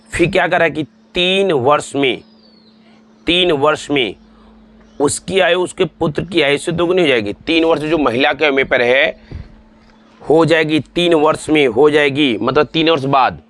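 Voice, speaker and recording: A man's voice: mid-range voice, fairly bright tone. A man in his forties teaching exam-prep math, talking students through each step, repeating himself and calling them friends and dear ones. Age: 40s.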